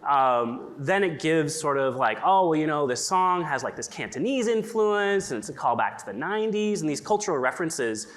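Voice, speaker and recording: This native English-speaking man sits on a conference panel, talking in a loose, chatty style packed with "likes" and "ums." His voice runs on the high side and is expressive and a bit bright, moving at normal speed with few pauses.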